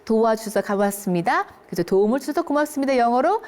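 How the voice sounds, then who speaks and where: A woman teaching English phrases to older learners, speaking them slowly and clearly and checking in often with her listeners. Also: fairly high pitch, slight background noise. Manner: lively, encouraging, keeps checking in with listeners. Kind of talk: English lesson for seniors.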